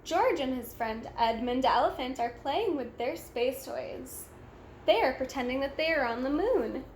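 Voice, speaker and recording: A woman reading a children's storybook aloud in a deliberate, simple way for young listeners. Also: high-pitched, expressive. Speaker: storybook read-aloud reader. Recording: echoey room with faint background noise.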